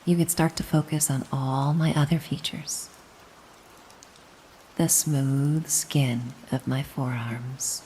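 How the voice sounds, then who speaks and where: A mysterious, doting caretaker acted by a woman speaks in a low, hushed-lullaby register for a hypnosis audio drama. She takes her time, gently coaxing and reassuring in an ASMR-like way. A faint wash of rain sits behind the voice. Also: slight background noise, rough recording. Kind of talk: slow soothing hypnosis roleplay, ASMR-like.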